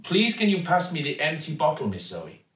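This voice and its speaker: A man voicing a cheerful, flattering male shopkeeper who talks in an effusive, overly polite way. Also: fairly high pitch, normal speed, voice pushed up. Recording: echoey, distant mic.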